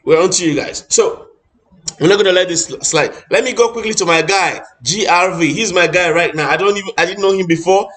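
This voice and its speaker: Middle-aged Nigerian man, political commentator, high voice, emphatic and repetitive. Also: a little fast, a bit bright. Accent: Nigerian English. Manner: emphatic, repetitive, stumbles and restarts often.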